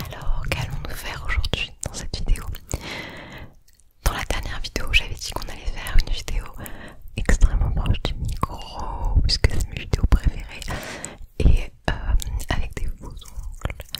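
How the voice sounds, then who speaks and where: Over loud background noise, a woman talks at a fairly slow pace with long, frequent pauses. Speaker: ASMR creator. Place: home room. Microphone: studio mic.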